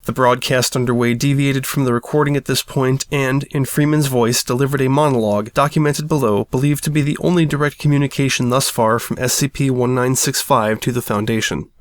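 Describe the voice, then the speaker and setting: A narrator with a medium-pitched voice reads a fictional incident report in a formal, measured, matter-of-fact way. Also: fairly even intonation, dry recording. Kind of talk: scripted narration, formal clinical report reading.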